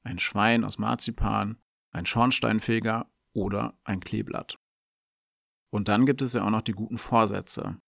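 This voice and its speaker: A man presenting a language lesson, explaining in a calm, clear scripted dialogue. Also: on the low side, unhurried, no echo, clean studio sound.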